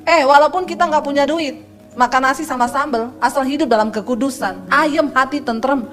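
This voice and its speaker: Woman pastor, middle-aged, high voice, animated preaching, soft music underneath. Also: a little fast. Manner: lively preaching with storytelling and humor. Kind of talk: sermon.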